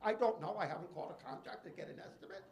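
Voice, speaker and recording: The speech comes at a very fast pace, with audible room echo around it. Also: man. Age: 60s. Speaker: resident speaking at public hearing. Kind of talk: public hearing comment. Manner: animated.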